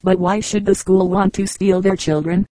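Fields: woman doing a gruff Irish policeman. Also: medium pitch, fairly even intonation, moderate pace, warm tone, no echo, natural voice, rough recording. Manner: blunt dialect talk, plain-spoken. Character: gruff Irish policeman in old New York.

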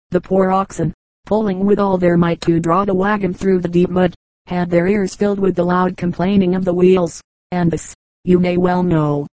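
A woman narrates old fables at a steady, measured pace. Her voice sits low and sounds warm and relaxed. The recording is dry and close, with no room sound. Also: dry recording, rough recording. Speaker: audiobook reader. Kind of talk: scripted storybook narration.

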